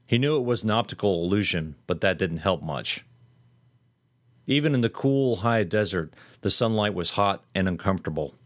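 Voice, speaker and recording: Deep-voiced man narrating horror. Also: no room sound. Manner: steady, measured storytelling.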